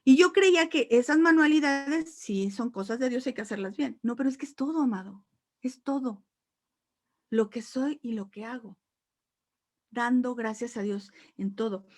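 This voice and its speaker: A woman pastor with a Mexican accent preaching a sermon, animated, acting out quoted voices and repeating words for emphasis. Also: a little high, moderate pace.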